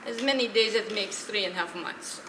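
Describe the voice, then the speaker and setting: A woman's voice: mid-range voice, brisk, close to an everyday voice. An actress playing a bitter elderly Polish Jewish woman in a stage play, scolding with dry sarcasm and Yiddish-flavoured phrasing. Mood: bitter, sarcastic. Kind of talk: stage play acting, dramatic dialogue. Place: stage in a theatre, distant microphone. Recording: echoey, noisy theatre recording from far off.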